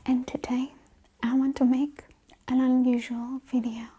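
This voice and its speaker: Casting: female ASMR host, mellow breathy whisper, slightly high, hushed casual chat. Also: little pitch movement, a little slow.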